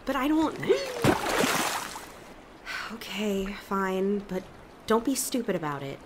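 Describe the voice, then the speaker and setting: A woman's voice: mid-range voice, sing-song, slow pace. A woman playing an anxious, practical young island woman in an audio drama, speaking bluntly and with worry. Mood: reluctant, worried. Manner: blunt, worried. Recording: water and ambient noise behind.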